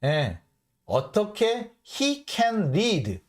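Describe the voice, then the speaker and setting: A man hosting a political commentary show, reading out foreign news and mocking it in an animated way. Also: sits high, drawn-out words. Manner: animated, mocking, acts out blunt quotes. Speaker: host of a political commentary channel.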